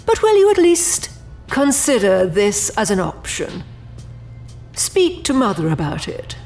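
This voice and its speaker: Casting: composed otherworldly baroness, diplomatic and formal, very unhurried delivery, mid pitch, music underneath. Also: female voice, huge pitch swings, gravelly, a little mellow, heavily acted. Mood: gracious, composed. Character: poised, diplomatic noblewoman presiding over otherworldly board. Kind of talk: audio drama acting.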